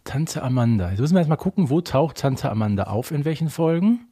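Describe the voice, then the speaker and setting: A man's voice: mid-range voice, very animated, a little fast, warm tone, breathy edge. A man co-hosting a podcast, bantering casually through a quiz. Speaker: podcast co-host.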